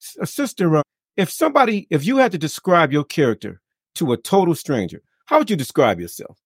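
A man hosting a faith podcast as a minister, talking in a casual, warm-hearted preacher way with lots of repeated amens and greetings. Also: on the high side, brisk, husky, no echo, clean studio sound. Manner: lively, repetitive, preacher-like affirmations. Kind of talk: casual interview.

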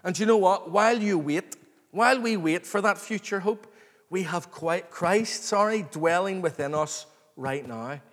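A man preaching an expository sermon to a congregation, earnest, excited and emphatic, repeating phrases and calling for response. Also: high-pitched, unhurried. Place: large reverberant room, live before a congregation. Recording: long hall reverb.

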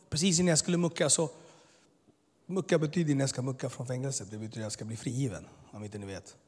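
Husky man telling his story in a hall. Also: fairly high pitch. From immigrated to Sweden as a boy. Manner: earnest, intense storytelling with filler words. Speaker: speaker giving his testimony. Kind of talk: personal testimony talk. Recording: long hall reverb.

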